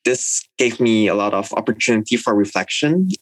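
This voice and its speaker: A young man from Indonesia, speaking thoughtfully in a recorded interview and pausing with fillers as he reflects. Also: on the low side, no room sound, poor audio. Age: young adult. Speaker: interviewee, university student.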